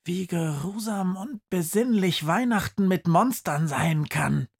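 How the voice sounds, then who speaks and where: A narrator voicing a menacing little girl, secretly a mouse, who speaks in a high hiss in an audiobook. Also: animated, slow pace. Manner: hissing, high.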